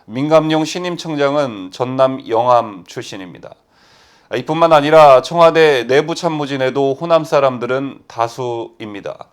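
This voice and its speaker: A middle-aged man reading political news commentary at a steady pace, often opening sentences with "ah". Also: medium pitch, moderate pace, clean tone. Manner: steady reading with frequent "ah" fillers.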